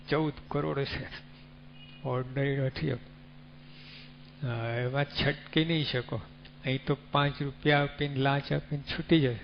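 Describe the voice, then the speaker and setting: Male preacher, measured sermon delivery, faint hum in the background. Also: mid-range voice, vocal fry. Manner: unhurried, teaching with rhetorical questions and animal examples. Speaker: religious speaker. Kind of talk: devotional sermon. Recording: dull lo-fi recording with faint hum.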